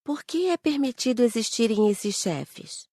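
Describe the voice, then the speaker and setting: A woman's voice: a little high, expressive, unhurried, warm tone, no room sound, clean studio sound. A woman with a Brazilian accent playing a curious, earnest student spirit who puts questions in an audiobook. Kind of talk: audiobook dramatised reading.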